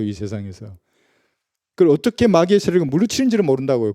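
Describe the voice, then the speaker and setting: A man's voice: sits high, dark tone, dry recording, studio quality. A man preaching a sermon as pastor in a casual, conversational way, asking his listeners rhetorical questions and briefly acting out the people he quotes. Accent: Gyeongsang Korean. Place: church.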